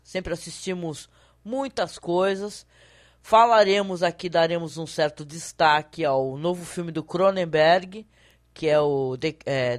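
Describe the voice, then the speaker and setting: A Brazilian woman hosting a casual podcast, very hoarse from a cold, with a deep, guttural, smoker-like rasp. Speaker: podcast host.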